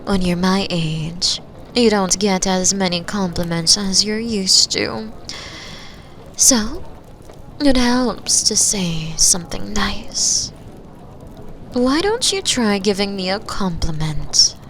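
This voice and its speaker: A woman playing a flirtatious, confident mature bar patron in an intimate roleplay, teasing and breathy, often dropping toward a whisper. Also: medium pitch, expressive, a bit bright, a little hiss or hum. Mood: sultry, flirty. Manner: slow, sultry, breathy, drops into near-whispers. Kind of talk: binaural roleplay audio drama, intimate second-person acting.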